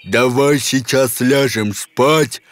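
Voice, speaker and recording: A man's voice: medium pitch, takes it slowly, close to an everyday voice. A man voicing a fierce, sly forest spirit monster in a folk-tale cartoon, menacing and mocking. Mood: sly, boastful. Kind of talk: animated folk-tale character acting. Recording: music behind the voice.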